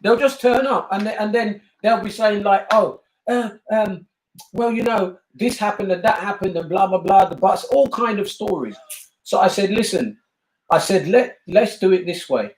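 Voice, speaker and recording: A man's voice: sits high, normal speed, a little hiss or hum. Emphatic older British man, roomy echo. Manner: earnest, emphatic, repeats himself. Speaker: bishop and family talk host. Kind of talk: casual family discussion.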